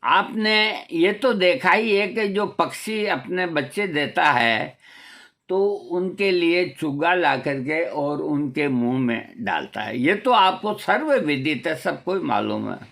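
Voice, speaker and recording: Slow, gravelly older man lecturing. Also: on the high side, expressive, pushed and bright. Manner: preachy, scolding, rhetorical questions. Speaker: homeopathy vlogger. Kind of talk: moral talk to camera.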